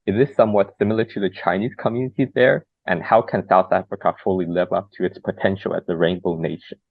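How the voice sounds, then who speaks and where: A man interviewing, reading out a long question in a halting way and correcting himself partway through. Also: low voice, fairly even intonation, creaky, no room sound. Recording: dry, tinny phone-like sound.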